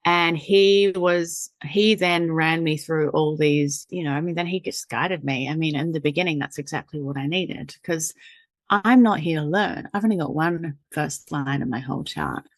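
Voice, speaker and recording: A woman's voice: low-pitched, normal speed, dry recording, clean studio sound. A woman, a guest chatting casually, rambling and laughing, with lots of fillers and the odd swear. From New Zealand. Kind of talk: casual conversational interview.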